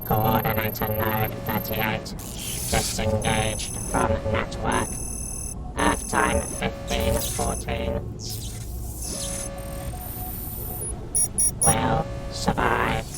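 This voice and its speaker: Emotionless robot invader, very slow, mechanical clipped reports, processed gravelly tone, sci-fi audiobook, prominent music underneath. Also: male voice, fairly low pitch. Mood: cold, methodical. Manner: clipped, monotone, mechanical delivery of short reports. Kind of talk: science fiction audiobook character acting. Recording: loud music behind.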